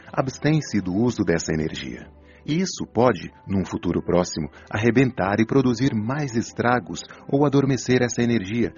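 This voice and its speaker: Male actor for wise spirit mentor in audio drama; deep-leaning, didactic, patient; lo-fi sound with music behind. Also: darkish tone, close to an everyday voice. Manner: didactic, measured, solemn explanation. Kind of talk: audiobook radio drama acting. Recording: dull lo-fi audio over music.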